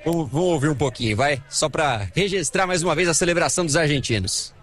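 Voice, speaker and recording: A man reporting live from a stadium, with a somewhat high voice. He talks in a lively, animated way and keeps addressing the host. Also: fast talker.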